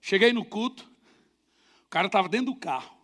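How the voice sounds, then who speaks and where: High, bright-voiced storytelling male preacher. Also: animated, brisk. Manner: emphatic, humorous anecdotes. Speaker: pastor. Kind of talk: storytelling sermon.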